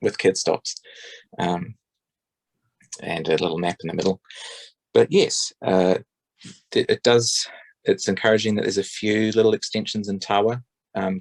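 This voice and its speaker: A man's voice: low-pitched, gravelly, no room sound. A man giving a rambling, hesitant spoken submission at a public forum, with many ums and restarts. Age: adult parent.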